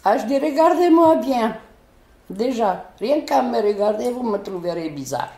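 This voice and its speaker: A woman with a foreign accent, telling a personal story in an animated, hesitant way, full of restarts. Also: mid-range voice, moderate pace. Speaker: interviewee, neighbourhood resident. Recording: roomy echo.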